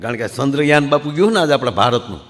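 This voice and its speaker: A man telling comic folk stories to a live audience, acting out his characters with quick voice shifts. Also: medium pitch, lively intonation, fairly bright tone. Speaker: folk comedian storyteller. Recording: hall reverb.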